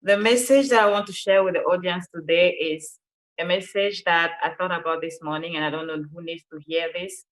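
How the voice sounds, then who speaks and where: A woman's voice: lowish voice, fairly even intonation, fairly quick, poor audio. Cameroonian woman with a French accent. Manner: earnest, repeats herself for emphasis. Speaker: guest, energy healer and coach. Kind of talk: personal storytelling in an interview.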